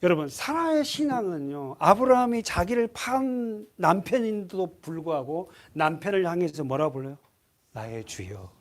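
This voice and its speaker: Pastor guy preaching, high voice swinging all over, keeps asking the crowd stuff. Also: normal speed, hardly any pauses. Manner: lively, asks the congregation questions, acts out voices. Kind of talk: sermon.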